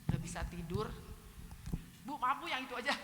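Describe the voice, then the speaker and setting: Hoarse woman preaching, animated. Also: fairly high pitch, normal speed, background noise. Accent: Indonesian. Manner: emotional storytelling, acting out quoted voices. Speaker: pastor. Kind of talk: sermon with personal testimony. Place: church hall. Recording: echoey church hall with long reverb.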